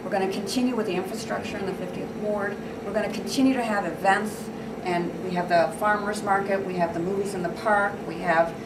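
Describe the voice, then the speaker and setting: A woman's voice: medium pitch, steady tone, brisk, reverberant, recorded from a distance, heavy background noise. A woman, an alderman seeking re-election, listing her plans in long upbeat run-on sentences. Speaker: city alderman running for re-election. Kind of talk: interview answers.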